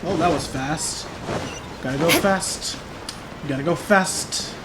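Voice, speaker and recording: A man's voice: a little high, takes it slowly, very noisy. A man giving casual, playful and opinionated commentary as he plays through a game. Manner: playful, opinionated, repeats himself. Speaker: gaming YouTuber.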